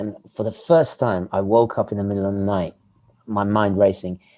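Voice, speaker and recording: A man speaks at a moderate pace with a British accent. His fairly low voice has a dark, mellow tone. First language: Italian. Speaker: watch YouTuber. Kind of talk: casual podcast interview.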